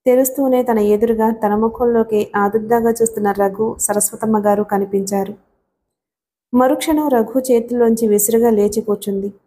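Mellow woman reading a novel aloud. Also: fairly high pitch, fairly even intonation, moderate pace. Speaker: audiobook narrator. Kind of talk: scripted narration.

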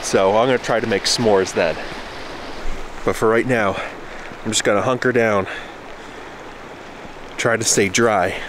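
A man's voice: steady tone, a little slow, pauses often, noisy background. A man in his thirties, talking glumly and mocking himself in a casual solo vlog, recorded close up inside a parked car at night. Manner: glum, self-mocking, low-key. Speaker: vlogger. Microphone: camera close by in the car.

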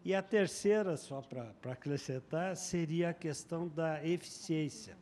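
An older man on a handheld microphone in a large auditorium, making measured points as a consumer council representative at a public meeting. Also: on the high side, darkish tone. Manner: deliberate, measured questioning. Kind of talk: formal public meeting remarks.

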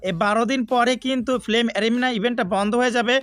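A man's voice: extremely high pitch, steady tone, racing, a bit bright, no echo. A man giving a casual gaming tutorial voice-over, explaining things directly to viewers.

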